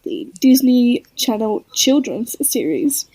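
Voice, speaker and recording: Slow-talking woman podcast co-host. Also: on the high side, very animated, dark tone, poor audio. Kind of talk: casual chat.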